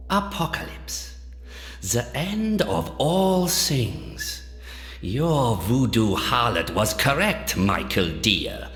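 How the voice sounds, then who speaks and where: Slow, theatrical, deranged doctor villain. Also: male voice, medium pitch, bright, forceful tone, exaggerated voice. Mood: quietly menacing. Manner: pompous, theatrical, over-enunciated. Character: smug, deranged male doctor villain with grandiose, apocalyptic menace. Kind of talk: video game villain acting. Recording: echoey reverberant hall, faint music behind.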